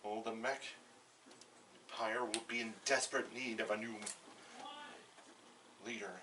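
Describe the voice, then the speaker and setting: A man's voice: lowish voice, little pitch movement, a little slow, close to an everyday voice. A man voicing a matter-of-fact planner in an amateur fan cartoon, explaining things hesitantly and repeating words. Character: matter-of-fact male planner explaining film casting decisions. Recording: slightly distant mic, faint background noise.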